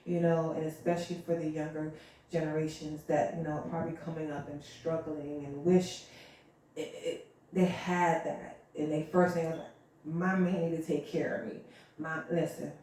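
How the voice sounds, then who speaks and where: A woman's voice: deep voice, flat delivery, moderate pace, dark tone, slight background noise. A woman in her thirties co-hosting a casual podcast chat, talking earnestly with lots of fillers and repeated phrases. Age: 30s. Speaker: podcast co-host. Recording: very echoey room, far from the mic.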